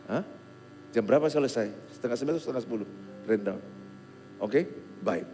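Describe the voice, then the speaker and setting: A middle-aged pastor preaching a Christmas sermon in an animated way, swinging between loud exhortation and quiet, humorous storytelling. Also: male voice, medium pitch, fairly quick, a little hiss or hum. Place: large church hall. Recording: long hall reverb with faint music.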